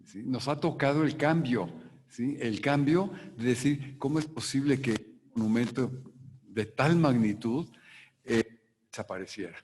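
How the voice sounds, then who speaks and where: A Mexican man presenting a book to an audience, talking deliberately and tagging his points with a questioning word. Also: mid-range voice, a little mellow. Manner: deliberate, tags lines with a questioning "sí". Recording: long hall reverb.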